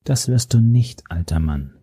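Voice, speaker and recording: A man's voice: mid-range voice, sing-song, moderate pace, dark tone, husky. A man voicing a smug, mocking young male henchman who talks down to an old man. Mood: taunting. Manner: mocking, chatty, condescending. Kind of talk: audiobook character voice.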